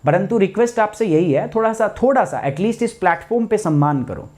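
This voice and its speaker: A man's voice: sits high, expressive, a little fast, darkish tone. A man, a teacher telling a personal story to students in a live online class, chatty and anecdotal.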